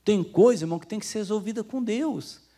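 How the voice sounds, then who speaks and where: A man's voice: high voice, a little fast, mellow. A man with a Brazilian Portuguese accent preaching a sermon as pastor, talking to the congregation like brothers and acting out the people he quotes. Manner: conversational preaching, calls listeners "irmão", acts out quoted voices.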